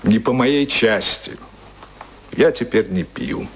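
An actor in a radio play playing an easygoing working man, talking informally in a drawl with a husky, creaky voice. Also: fairly low pitch, takes it slowly, slight background noise. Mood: happy, teasing. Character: Jim, easygoing working man about to marry.

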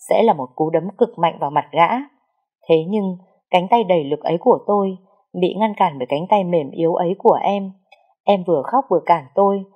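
Woman reading a sad story, low husky voice, kinda dark and soft. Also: lo-fi sound. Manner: emotional, lyrical, melancholy. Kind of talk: first-person dramatic story narration.

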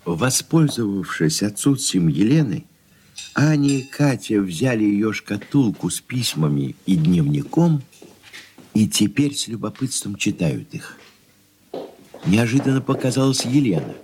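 A man narrating stage directions in a measured, formal way for a radio drama. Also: lowish voice, big pitch swings, creaky, a little mellow. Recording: old radio recording with hiss.

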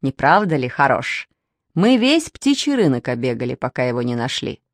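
A woman voicing a calm, courteous father in a storybook reading, lowering her voice softly. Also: normal speed, no echo, clean studio sound.

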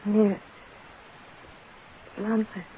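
A hissy, muffled vintage radio drama carries a woman acting as a wounded countess. She speaks very slowly and feebly, labored and gasping. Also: mid-range voice, level tone, close to an everyday voice. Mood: faint, struggling. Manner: halting, labored.

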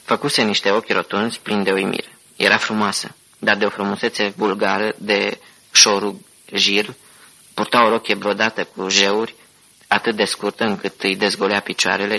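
A man reading an audiobook in a steady, even way. His low voice is gravelly and husky, with a bright, forceful edge. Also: poor audio. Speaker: audiobook narrator. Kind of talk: audiobook narration.

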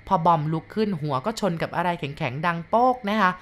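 Female storyteller, calm polite ghost-story narration, lower-pitched voice. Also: brisk.

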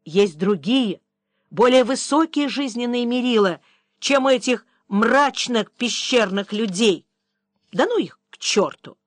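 A woman's voice: a little high, lively intonation, measured pace, dry recording. A woman reading an audiobook voices a young English man, a war veteran, in a dry, mocking, slightly disdainful manner. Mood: indignant.

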